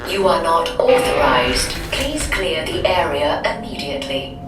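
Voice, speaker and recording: A low, commanding female warning voice blares from a sound cannon, repeating its stern order in a flat tone. It rings out echoey and from a distance, half buried under loud game music. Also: measured pace. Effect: blaring loudspeaker warning from a sound cannon. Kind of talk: video game device announcement.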